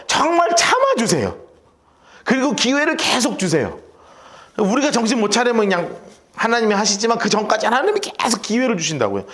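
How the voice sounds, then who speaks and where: A male pastor giving a Bible study sermon in a church, casual and colloquial, often acting out little scenes. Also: high-pitched. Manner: lively, colloquial, acts out scenes.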